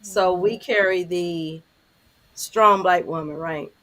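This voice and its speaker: A woman in her fifties with a deep voice, speaking earnestly as a panelist on a video call. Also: takes it slowly, a bit bright, poor audio. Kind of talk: candid panel talk.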